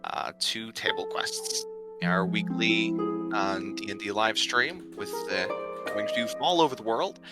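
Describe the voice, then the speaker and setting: A man from the United States serving as dungeon master, narrating a tabletop game livestream in a halting way with many fillers and restarts. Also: fairly low pitch, loud music behind the voice. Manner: halting, full of ums and uhs and restarts.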